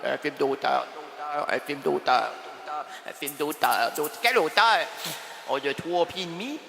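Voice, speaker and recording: A man's voice: a little high, measured pace, gravelly, pushed and bright, big-room sound, slight background noise. A man with a Quebec French accent hosting a radio show in a rambling comic monologue, full of teasing wordplay and repeated phrases. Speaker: radio host.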